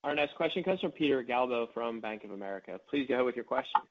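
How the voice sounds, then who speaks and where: A man's voice: mid-range voice, expressive, quick pace. A man making scripted announcements as a conference call operator. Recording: dull conference line.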